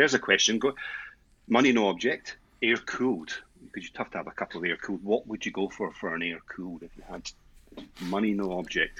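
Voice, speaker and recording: A man with a strong Edinburgh accent, fairly low in pitch, at a very fast pace with big swings in loudness. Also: ordinary pitch variation. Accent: strong Edinburgh Scottish. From Scotland, Edinburgh. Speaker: car photographer and enthusiast. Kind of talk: casual chat.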